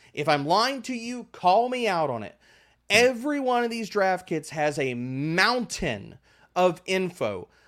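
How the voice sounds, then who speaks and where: Loud and animated, a man with a high pitch speaks at a fairly slow pace, his pitch swinging very widely. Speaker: fantasy football analyst. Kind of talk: casual chat; self-promotion. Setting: remote podcast recording.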